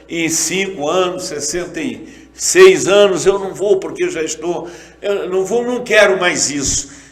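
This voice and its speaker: A man's high-pitched voice with ordinary pitch variation at a fairly slow pace, amid noticeable background noise and audible room echo. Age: 60s. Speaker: pastor and radio host. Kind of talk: radio sermon and testimony. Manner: conversational storytelling.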